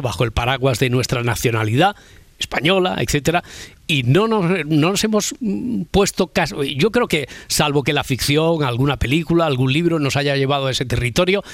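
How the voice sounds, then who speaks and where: A man's voice: on the high side, creaky, a bit bright, dry recording. Chatty Spanish radio host man. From Spain. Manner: chatty, repeats words, eager. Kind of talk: late-night radio talk. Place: radio studio.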